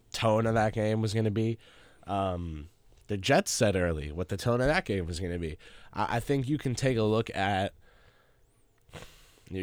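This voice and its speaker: A man's voice: lowish voice, no echo. A young man co-hosting a casual sports talk show, playful and laying out his reasoning in long runs. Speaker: podcast co-host.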